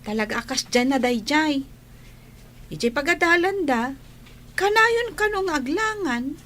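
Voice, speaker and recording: A woman's voice: high-pitched, animated, unhurried, fairly bright tone. A woman voicing a young girl who cares for her blind sibling, speaking in a soothing, reassuring way.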